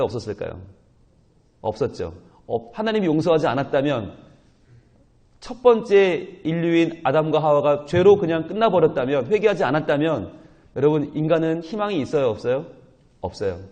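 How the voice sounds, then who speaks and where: Korean pastor guy preaching at dawn service, voice a bit on the high side, keeps asking questions then answering them. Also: darkish tone. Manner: questions the congregation and answers himself, acts out dialogue in character. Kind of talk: dawn prayer sermon. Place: church.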